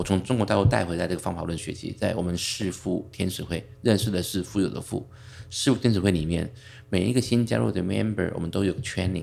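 With vocal fry and a very deep, low pitch, a man talks at a fairly quick pace. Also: ordinary pitch variation, very clean recording, silent background. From Taiwan. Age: 40s. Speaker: business executive. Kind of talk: casual chat.

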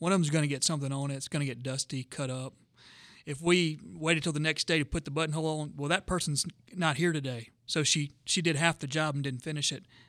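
Very fast and fairly high in pitch, a man speaks with a Southern US accent and fairly even intonation. The recording is very clean, with a silent background. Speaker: business owner. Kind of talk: casual chat.

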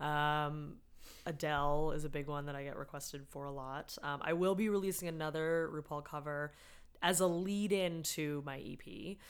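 This woman's pitch is very deep and low. She has an American accent and fairly even intonation at a moderate pace. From US, Boston. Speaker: singer. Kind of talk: casual chat.

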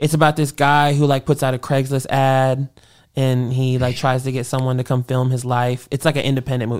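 Fairly quick and medium-pitched, a man talks with an American accent in a plain, everyday voice on a very clean recording with a silent background. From US Pacific Northwest, Seattle. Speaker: rapper. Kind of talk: casual chat.

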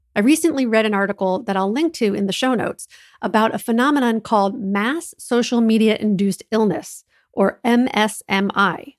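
Against a very clean recording with a silent background, a woman with a plain, everyday voice talks at a moderate pace in a fairly high pitch with ordinary pitch variation. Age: 40s. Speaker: parenting coach and podcast host. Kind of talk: solo podcast monologue.

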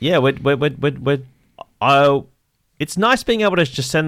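A man with an Australian accent at a very fast pace, ordinary pitch variation, and a very clean recording with a silent background. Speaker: radio broadcaster and TV host. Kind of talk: casual chat.

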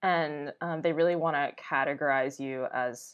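With an American accent, a woman has an ordinary speaking voice, a moderate pace, and ordinary pitch variation. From US Northeast, Boston. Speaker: travel blogger. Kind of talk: casual interview.

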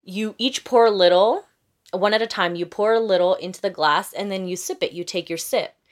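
A woman with an animated tone speaks at a fairly quick pace in a medium pitch with ordinary pitch variation. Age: 30s. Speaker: travel podcaster. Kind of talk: casual interview chat. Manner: animated, laughing often.

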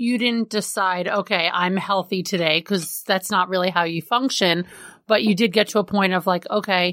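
The woman has an ordinary speaking voice, a medium pitch and fairly even intonation, in a dry, close sound with no echo. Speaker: podcast host. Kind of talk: casual interview chat.

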